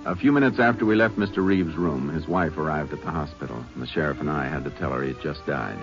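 A dull vintage radio recording carries a low-voiced American Texas Ranger. He is calm and methodical, speaking with matter-of-fact restraint in old-time drama style. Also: over music. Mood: measured narration. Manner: measured, matter-of-fact questioning. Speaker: lead actor and narrator. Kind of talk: 1950s radio drama acting and narration.

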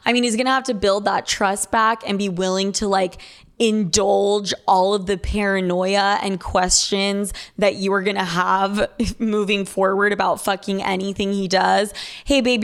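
A young adult woman with an American Valley girl accent and drawl, hosting a casual advice show in a blunt, sweary, unfiltered way with lots of filler "like". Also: medium pitch. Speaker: podcast host giving listener advice.

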